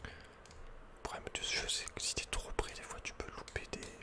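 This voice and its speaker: A man speaks entirely in a breathy, unvoiced whisper. He comments on his video game casually and with slang, often muttering to himself. The delivery is ASMR, spoken close to the microphone. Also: normal speed.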